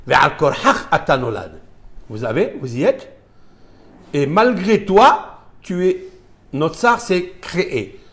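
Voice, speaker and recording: Animated, high-voiced male rabbi. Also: slow pace, pauses often. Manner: animated, emphatic, asks rhetorical questions; mixes Hebrew terms into French. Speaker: rabbi teaching a Torah class. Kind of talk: live religious lesson to students.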